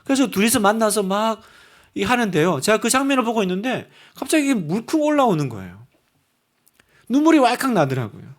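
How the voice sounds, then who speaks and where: A male pastor preaches in a church sanctuary. He talks in a high register that swings widely, shifting between chatty storytelling and fervent appeals. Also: fairly quick. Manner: animated storytelling, rising to fervent exhortation. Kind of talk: sermon.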